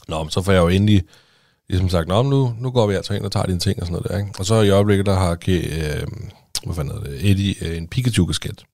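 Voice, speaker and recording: Low-voiced man telling a story. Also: creaky, no echo, clean studio sound. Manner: animated storytelling, swearing, acting out dialogue. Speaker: podcast co-host. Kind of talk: casual chat.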